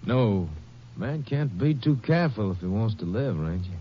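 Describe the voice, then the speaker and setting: Actor as a sly, animated oil-field crook. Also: male voice, on the low side, normal speed, lightly acted. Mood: cocky. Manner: folksy, feigned innocence. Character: sly, cocky oil-field man, smooth liar. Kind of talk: 1950s radio western acting. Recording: noisy, muffled old radio recording.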